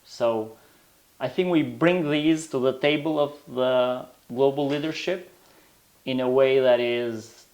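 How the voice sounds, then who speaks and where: A man's voice: mid-range voice, takes it slowly, darkish tone, low-quality recording. A man with an Albanian accent, a native Albanian speaker, answering interview questions as an author in a reflective, explanatory way. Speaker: author, guest.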